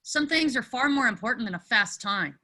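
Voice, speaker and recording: A woman's voice: fairly high pitch, expressive, brisk, sharp tone. A woman playing an earnest, lovelorn teenage boy in a comic screenplay table read. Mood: indignant.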